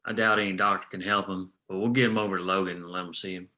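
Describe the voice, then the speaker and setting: Male actor as small-town lawman, drama, low-pitched, bright forceful tone, terse, measured. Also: fairly even intonation. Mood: businesslike. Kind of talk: scripted drama table read.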